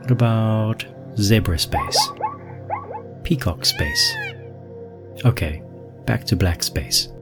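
Deep-voiced man guiding a visualization over music. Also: unhurried. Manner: instructive, addresses listener directly. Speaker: guided visualization narrator. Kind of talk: scripted guided visualization narration.

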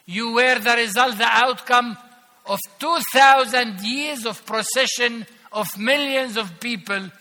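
An older man delivers a sermon at a slow, deliberate pace, his voice high and very bright. He leans on emphasis and dry irony, and the sound rings out with a long reverb from the church hall. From Palestine. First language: Arabic. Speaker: archbishop preaching as guest. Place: large church.

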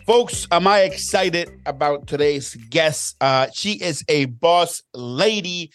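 A man hosting an interview show, energetic and upbeat, often repeating his first words as he starts a question. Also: on the high side, slow, faint music behind. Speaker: podcast host.

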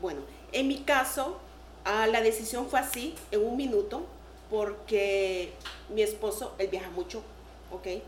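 A woman's voice: mid-range voice, unhurried. A woman from Honduras with a Honduran accent, a guest in a casual interview, speaking earnestly and often laughing while she tells her stories. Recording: echoey room with faint noise.

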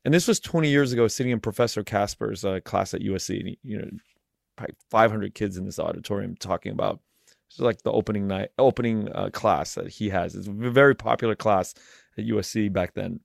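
A man in his forties hosting a podcast interview, asking relaxed, musing questions. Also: fairly low pitch, fast talker, creaky, no room sound, studio quality. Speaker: podcast host. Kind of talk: conversational interview.

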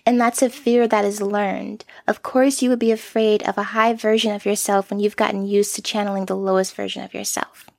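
Soft-spoken woman with a gravelly fry. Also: medium pitch, flat delivery, fairly quick, few pauses, no echo. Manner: soft-spoken, earnest and self-reflective. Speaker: podcast host. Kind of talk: reflective solo podcast monologue.

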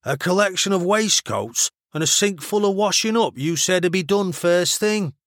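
A man's voice: high voice, lively intonation, normal speed, a bit bright, dry recording, studio quality, voice pushed up. A man voicing a laid-back, sardonic bloke with a Mancunian accent, over-enunciated vowels and a blunt, half-hearted manner in an audiobook.

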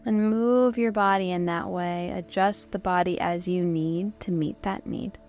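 Hoarse woman guiding a soft meditation. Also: lowish voice, fairly even intonation, soft background music. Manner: soft, slow, gentle instructions with pauses. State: hoarse, losing her voice. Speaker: podcast host and meditation guide. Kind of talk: guided yoga nidra meditation.

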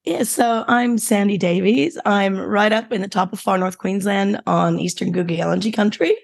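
Husky-voiced Australian woman guest. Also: medium pitch, moderate pace. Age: middle-aged. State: husky, not her normal voice. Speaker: guest, business founder. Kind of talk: casual interview chat.

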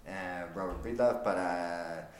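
Slow non-native man in an echoey room. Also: low-pitched. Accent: English-speaking foreigner's. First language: English. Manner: halting, searching for words, slips into English words. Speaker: podcast host. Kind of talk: unscripted solo podcast talk. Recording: roomy, echoing sound.

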